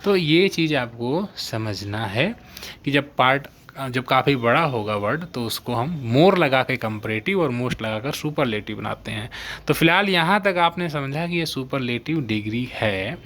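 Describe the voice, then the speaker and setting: A man's voice: medium pitch, lively intonation, a little slow, fairly bright tone. A man teaching English grammar in a live online exam-prep lesson. He explains step by step and keeps checking whether his students follow.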